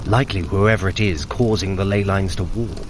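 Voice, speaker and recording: A man as a low-voiced, sardonic trickster god. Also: normal speed, background noise, natural voice. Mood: brooding, explanatory. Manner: articulate, dry, condescending. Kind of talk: audio drama acting, formal archaic speech.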